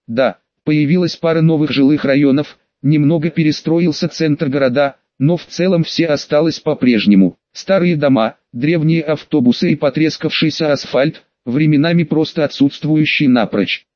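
Male audiobook narrator, fairly high voice, dry close recording, measured first-person telling with a wry edge. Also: darkish tone, dry recording, lo-fi sound.

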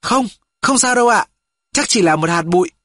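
A man's voice: sits high, animated, normal speed, a bit bright, no room sound, pitched above the performer's own voice. A man reading an audiobook, voicing a polite, earnest teenage boy who answers adults respectfully.

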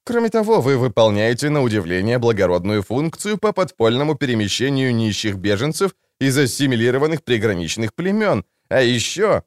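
A man's voice: mid-range voice, no echo, clean studio sound, close to an everyday voice. A man doing a smug, wordy schemer. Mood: smug, mocking. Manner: wordy, mocking, deliberate. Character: sly talkative young man, smug schemer.

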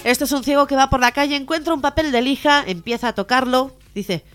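A woman hosting a radio humor show, telling jokes in a lively way and putting on voices for the characters. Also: high-pitched, fairly quick. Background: music.

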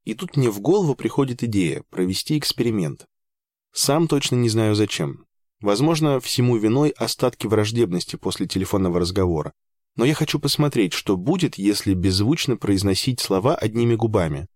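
Low-voiced man reading a dry audiobook. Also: lively intonation, a little fast, darkish tone, dry recording. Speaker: audiobook narrator. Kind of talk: first-person audiobook narration.

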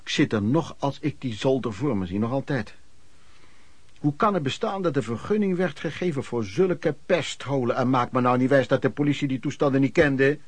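A man's voice: medium pitch, normal speed, slightly rough, no echo, lightly acted. An actor playing a man who narrates his hard, hopeful youth as a street trader, in colloquial first-person radio play style. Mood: indignant recollection. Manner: colloquial, storytelling, clipped phrases.

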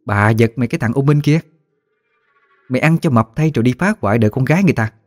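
A man's voice: medium pitch, fast talker, darkish tone, soft background music, pitched above the performer's own voice, close to an everyday voice. A man voicing a fierce, foul-mouthed old woman ghost who scolds coarsely. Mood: furious.

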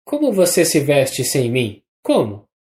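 The narrator voicing an adult noblewoman mother, soft and choked with tears, with a Brazilian Portuguese accent. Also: mid-range voice, huge pitch swings, measured pace. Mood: tender.

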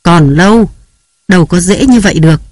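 Man playing a domineering young husband, jealous, harsh, commanding, higher voice. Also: normal speed, darkish tone, dry recording, clean studio sound. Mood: furious.

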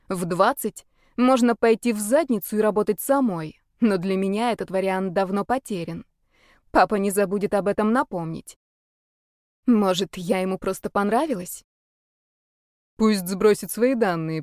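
A woman narrating a first-person audiobook in a measured, even reading. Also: mid-range voice, dry recording, clean studio sound.

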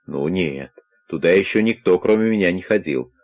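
A man's voice: low voice, animated. A man voicing a cautious young male undercover militiaman who answers briefly and holds himself in check. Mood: firm. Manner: guarded, short, measured replies.

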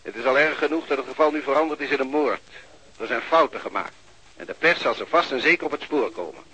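A man acting an authoritative police superior in a Dutch radio drama, pressing and admonishing in a forceful way. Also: medium pitch, quick pace, slightly rough, rough recording. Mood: stern, admonishing.

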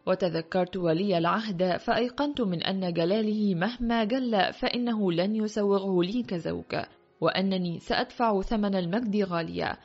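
A woman narrating a literary audiobook in a measured, reflective way. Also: medium pitch. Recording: dull lo-fi audio with faint music.

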